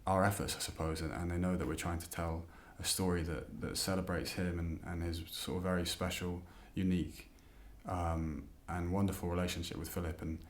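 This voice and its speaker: A young man speaks in a deep, low voice. He is heartfelt and searching, restarting his phrases as he tries to put his feelings into words. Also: little pitch movement, fairly quick, few pauses, slight background noise. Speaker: lead actor.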